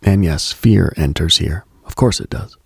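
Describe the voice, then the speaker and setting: Deep, husky, slow-talking man. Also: dry recording, studio quality. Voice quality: husky, gravelly. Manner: slow, contemplative, halting with pauses. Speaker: late-night radio host. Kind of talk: reflective late-night spiritual monologue, ASMR-like.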